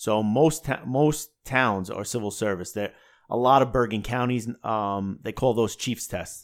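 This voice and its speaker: At a fairly slow pace, a man talks in a plain, everyday voice at a medium pitch. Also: ordinary pitch variation, very clean recording, silent background. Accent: American. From Jersey City, US Northeast. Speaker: retired police captain and stand-up comedian. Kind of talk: casual chat.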